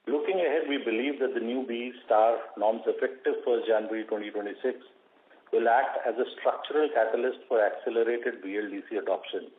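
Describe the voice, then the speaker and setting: A man with an Indian accent, a company executive, reading a prepared earnings presentation on a conference call in a formal, measured way. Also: medium pitch. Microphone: phone line. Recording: noisy narrow phone conference line.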